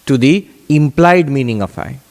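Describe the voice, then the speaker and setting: A man teaching as a Hindu monk, answering questions in a deliberate, emphatic way with repeated phrases. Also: mid-range voice, animated, darkish tone. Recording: echoey hall with long reverb.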